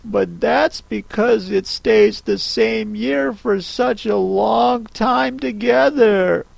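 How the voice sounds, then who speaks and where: A man voicing a polite, puzzled young girl who speaks softly and cautiously. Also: sits high, creaky, dry recording, pitched above the performer's own voice, full character voice. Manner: polite, cautious, soft and slow.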